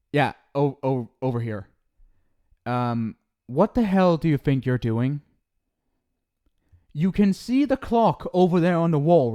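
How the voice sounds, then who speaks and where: Guy doing an annoyed ghost boyfriend scolding you, swinging up and down, slow and mellow, swears a lot. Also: on the high side. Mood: exasperated scolding. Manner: flustered, stumbling restarts when explaining. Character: exasperated male ghost soulmate back from the afterlife. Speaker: ASMR roleplay performer. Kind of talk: ASMR roleplay.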